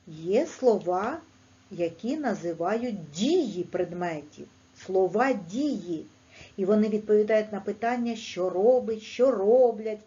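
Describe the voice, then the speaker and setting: Ukrainian woman teacher for kids' lesson; mellow voice, lively pitch, lo-fi sound. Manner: slow, clear, sing-song teacher talk with lively pitch. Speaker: primary school teacher. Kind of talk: online language lesson for children.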